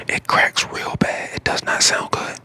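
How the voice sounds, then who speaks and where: A man in his twenties from St. Louis, hoarse and getting over a lost voice, chatting casually to his live stream in a whisper that cracks in and out. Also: sharp tone. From St. Louis, Missouri, USA. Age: 20s. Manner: whispering throughout.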